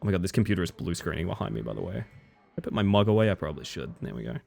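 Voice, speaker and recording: A man's voice: deep voice, lively intonation, very fast, creaky, darkish tone. A man with an Australian accent, chatting casually with his live-stream audience while gaming, reading chat aloud and swearing now and then.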